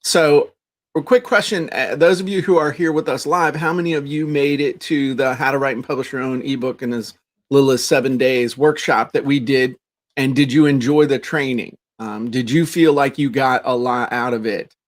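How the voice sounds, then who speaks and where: A man's voice: medium pitch, steady tone, moderate pace. A man co-hosting a podcast, chatting casually in a blunt, colloquial way. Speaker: podcast co-host. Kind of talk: casual chat.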